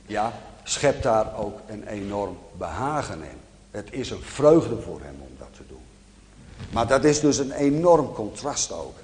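Man, preacher, slow unhurried sermon delivery, measured teaching tone, roomy hall reverb. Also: on the low side, big pitch swings, darkish tone, slight background noise. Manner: measured, explanatory Bible teaching. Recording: echoey hall with long reverb.

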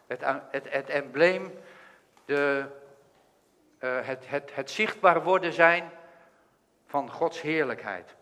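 A man preaching, reading a Bible text and explaining it in an earnest, thoughtful way. His voice is bright and a little high for a man. A long reverb hangs after each phrase. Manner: earnest, thoughtful, pauses and restarts.

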